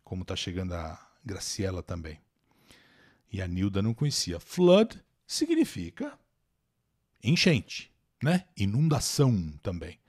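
Lively Brazilian man teaching pronunciation. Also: deep voice, husky. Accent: Brazilian Portuguese. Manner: chatty, drawn-out pronunciation drills, answers viewers by name. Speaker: English teacher and channel host. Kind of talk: live lesson, reading and translating an article.

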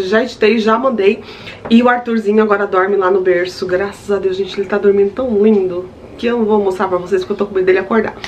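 A woman's voice: medium pitch, slight background noise. Chatty Brazilian woman vlogging at home. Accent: Brazilian Portuguese. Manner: chatty, addresses viewers directly. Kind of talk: casual home vlog. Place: home kitchen.

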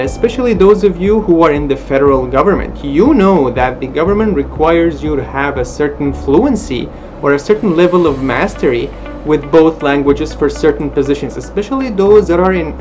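A man in his thirties whose first language is Armenian explains things to camera in a lively, animated way, gesturing as he talks. His voice comes through a dull, lo-fi webcam recording made in a small room. Music plays clearly behind him. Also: a little high. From Middle East, Arabic-speaking country. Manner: lively, expressive, gestures with hands. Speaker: language school presenter. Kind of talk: informational talk to camera. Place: small indoor room, plain wall.

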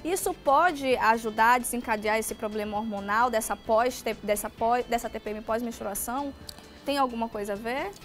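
A young Brazilian woman hosts a daytime TV health chat with a bright, high voice, playful and chatty, speaking into a handheld mic. Faint music plays under her. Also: normal speed. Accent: Brazilian Portuguese. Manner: chatty, playful, laughs and jokes with guest. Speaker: TV show host. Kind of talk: live TV health segment, reading viewer questions. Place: TV studio set.

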